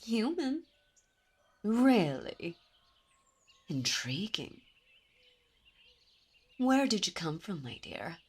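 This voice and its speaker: A woman's voice: mid-range voice, very animated, very slow, pauses often, husky, full character voice. A woman voicing a commanding, seductive demon princess in an ASMR roleplay, speaking in a teasing, imperious and intimate way. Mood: intrigued.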